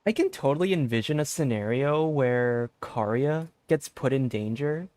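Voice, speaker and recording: A man's voice: mid-range voice, expressive, normal speed, a little mellow, dry recording. A man giving casual gameplay commentary as a streamer on a close mic. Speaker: game streamer. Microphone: close mic, dry. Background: faint game music.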